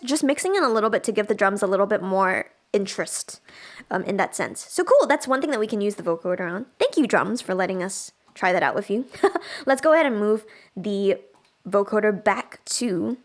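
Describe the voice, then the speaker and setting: Chatty woman doing a laid-back music software tutorial, mid pitched voice, thinks out loud as she goes. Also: expressive, moderate pace. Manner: chatty, informal, thinks aloud while demonstrating. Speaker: music production trainer. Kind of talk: casual livestream software tutorial.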